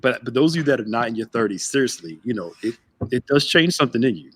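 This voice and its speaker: A man's voice: medium pitch, big pitch swings, fast talker, breathy edge, no echo. A man in his thirties, a pastor hosting a casual live group chat in a playful, teasing way. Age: 30s. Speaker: host, pastor.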